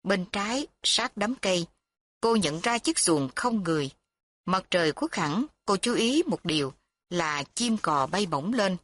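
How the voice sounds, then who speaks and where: A woman narrating a story with a steady, even reading. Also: mid-range voice, dry recording.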